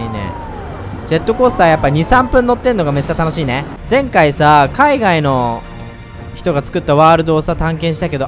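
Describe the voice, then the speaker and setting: A man giving let's play commentary, chatty and excitable, talking straight to his viewers and breaking into loud whoops. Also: on the high side. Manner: chatty, speaks to viewers directly. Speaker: game commentator.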